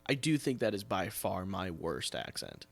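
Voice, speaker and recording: A man's voice: deep voice, big pitch swings, moderate pace, vocal fry. A man hosting a podcast, chatting casually and chiming in with questions and short interjections. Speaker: podcast host.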